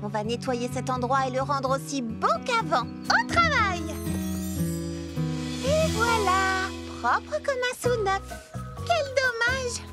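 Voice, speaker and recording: A woman's voice: very high voice, very animated, takes it slowly, over music, full character voice. A woman voicing a cheerful, caring little girl in a children's cartoon, upbeat and encouraging. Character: cheerful, caring little girl, leader among her friends. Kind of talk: French-dubbed children's cartoon acting.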